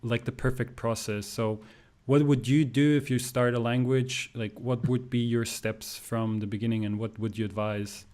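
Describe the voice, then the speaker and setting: A man's voice: mid-range voice, fairly even intonation, moderate pace, darkish tone. A man hosting an interview, asking questions and giving short friendly prompts. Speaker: interview host. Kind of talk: casual interview.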